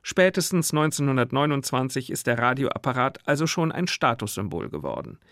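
A man's voice: mid-range voice, vocal fry, dry recording, studio quality. A man hosting a radio programme, speaking in an articulate, analytical way. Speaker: radio host. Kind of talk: scripted narration and expert conversation about radio history. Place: dry studio.

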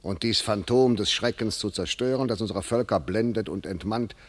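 An actor playing a grim, menacing English commander in a classic radio drama, declaiming verse in a husky voice. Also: male voice, lowish voice, normal speed, lightly acted. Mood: resolute. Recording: reverberant hall sound.

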